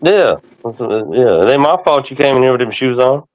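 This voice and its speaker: A man's voice: medium pitch, animated, a little fast, darkish tone, no room sound, poor audio. A man on a talk panel giving a laid-back, blunt opinion. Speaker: guest panelist. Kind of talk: casual chat.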